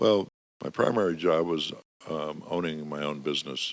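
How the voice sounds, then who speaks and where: A man talks with a Midwestern American accent. His voice has vocal fry. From US Midwest, St. Louis, Missouri. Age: 70s. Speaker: retired business owner. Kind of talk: interview conversation. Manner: hesitant, many fillers.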